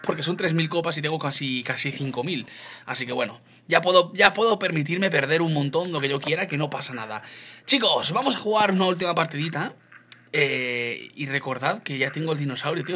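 A young man from Spain with a Spanish accent, giving casual gameplay commentary, swinging between loud outbursts and low muttering. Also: husky. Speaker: gaming youtuber.

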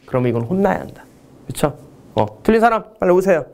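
A middle-aged man teaching an exam prep history lecture, animated and joking, swinging between loud outbursts and mumbled asides. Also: high voice, fast.

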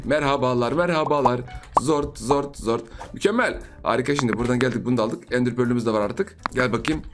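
A young man giving playful, chatty commentary over his own gameplay, repeating phrases and laughing often. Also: a little high. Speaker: gaming YouTuber.

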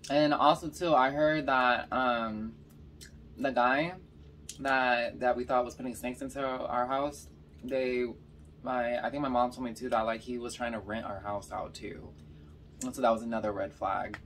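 A young woman with a faintly raspy voice and a slight Californian accent tells stories in a loose, chatty way while eating in her bedroom. She sits a little back from the mic, and a soft room hiss sits underneath her. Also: extremely low pitch, steady tone, measured pace, recorded from a distance. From Georgia, US South. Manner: chatty storytelling between bites, lots of "like" and "y'all". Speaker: mukbang vlogger. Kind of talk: casual chat while eating. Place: bedroom, indoors.

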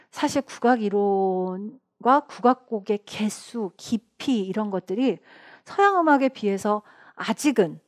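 A woman teaching an exam prep lecture in a chatty, animated way. She laughs often and acts out short quoted lines. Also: fairly high pitch. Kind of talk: online lecture.

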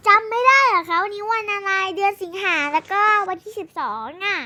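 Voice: very high-pitched, fairly quick, sharp tone, voice pushed up, heavily acted. A child voicing a polite, earnest older sister who speaks to her mother dutifully in a pretend play. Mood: eager. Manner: polite, earnest, uses polite endings.

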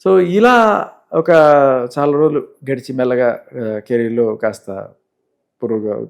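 Soft-spoken radio jockey recounting his career. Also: mid-range voice, slow pace, gravelly. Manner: soft-spoken, anecdotal, mixes in English words. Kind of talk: casual interview.

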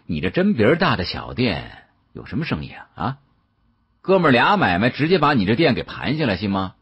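A man's voice: medium pitch, wildly swooping pitch, fairly quick, fairly bright tone, breathy edge, heavily acted. A man voicing a cocky, sneering young challenger with a taunting, slangy manner in an audiobook. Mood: challenging. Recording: dull, muffled audio.

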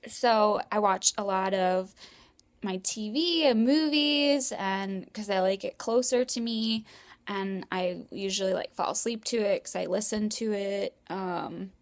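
A young woman talking excitedly and quickly to a handheld camera from her bedroom in a casual vlog. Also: mid-range voice. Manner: fast, excited, shaky chatter. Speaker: vlogger.

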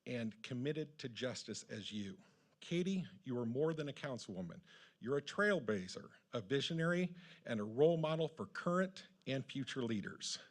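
A man speaks at a public meeting in a mid-pitched voice. He reads a prepared tribute in a formal, declamatory manner, setting out his phrases like a speech. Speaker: public commenter. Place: city council meeting room, at public podium.

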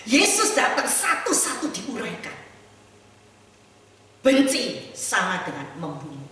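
A woman evangelist from Indonesia preaching a sermon, dramatizing quoted voices, recorded from a distance in a church. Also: medium pitch. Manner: animated, acts out quoted voices. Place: church sanctuary. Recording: echoey church hall, mic far off.

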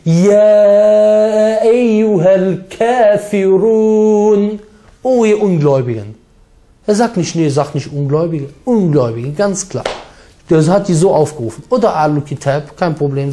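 A man preaching a sermon with emphatic, forceful delivery, mixing in Arabic recitation. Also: on the high side.

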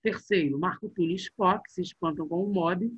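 A middle-aged male teacher, leading an online class in a lively, chatty way and talking straight to his students. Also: high voice, moderate pace, husky, no room sound. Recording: dull, muffled online class audio.

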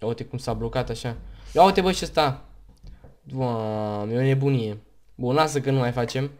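A man with a Romanian accent giving casual gameplay commentary, chatty and rambling, hiccuping and tired, on a headset mic at home. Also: medium pitch. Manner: chatty, rambling, talks in bursts between hiccups. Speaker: gaming YouTuber.

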